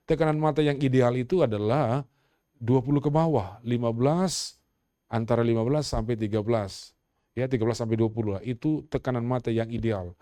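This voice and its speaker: A middle-aged pastor preaches a sermon, shifting from quiet storytelling to loud, rousing exhortation and calling on the congregation to respond. His voice is medium-pitched and brisk. The recording is dry and studio quality.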